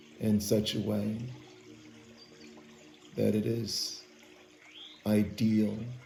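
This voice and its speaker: Over noticeable background noise, a man speaks at a very slow pace with fairly low pitch, monotone, flat intonation, and long, frequent pauses. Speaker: radionics pendulum kit maker. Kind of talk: spoken invocation.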